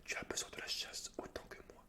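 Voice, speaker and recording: A man voicing a sly, taunting golden-furred beast from a fantasy story in a breathy whisper. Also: brisk, close to an everyday voice. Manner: taunting, probing.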